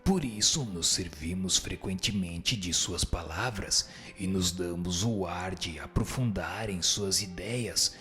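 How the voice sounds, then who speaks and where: Radio drama: male actor as wise Brazilian spirit, solemn and didactic, very measured pace, low register. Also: fairly bright tone, faint music behind. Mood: solemn, instructive. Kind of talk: scripted radio drama reading of spiritist teaching.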